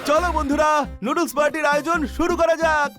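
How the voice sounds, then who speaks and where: A high, eager cartoon boy, quick to cheer and exclaim. Music plays behind. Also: fairly even intonation, fairly bright tone. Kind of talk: dubbed cartoon acting.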